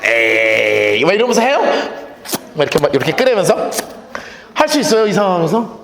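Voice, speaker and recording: Animated pastor preaching in echoey church. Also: male voice, high voice, fast talker. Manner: animated preaching, asks the congregation questions and acts out quoted voices. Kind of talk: sermon. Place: church sanctuary. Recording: echoey church hall with long reverb.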